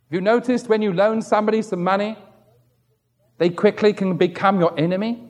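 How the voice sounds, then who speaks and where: A man's voice: steady tone, brisk, long reverb tail. A middle-aged male pastor preaching a sermon who tells stories and acts out the voices of the people in them. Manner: storytelling, acts out quoted voices with wide pitch swings.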